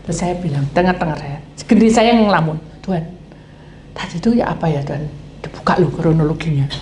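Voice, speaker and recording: Woman pastor, storytelling sermon, warm dark tone, faint hiss on the recording. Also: deep voice, fairly quick. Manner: acts out quoted dialogue, animated. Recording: echoey hall, faint noise.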